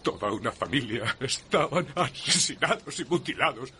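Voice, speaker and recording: An actor in a dubbed TV drama playing a shaken rider who reports grim news. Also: male voice, medium pitch, lively intonation, moderate pace, pushed and bright, a little hiss or hum.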